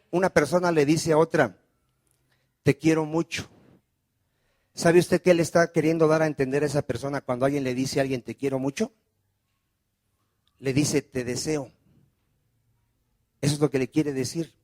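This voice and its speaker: A man's voice: fairly high pitch, a little mellow, no echo. A man preaching a sermon as pastor, often asking the congregation questions and calling for amens. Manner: preaching with call-and-response questions.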